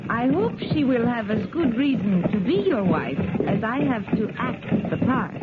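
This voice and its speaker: A woman's voice: a little high, lively intonation, moderate pace, over loud music, close to an everyday voice. An actress playing a composed, formal young woman in a 1950s radio drama. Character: poised young woman posing as a wife. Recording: tinny, hissy 1950s radio broadcast.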